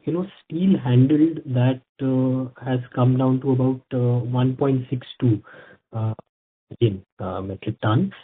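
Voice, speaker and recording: A man asking questions as an analyst on a conference call, halting and deferential. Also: mid-range voice, husky. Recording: muffled narrow phone line.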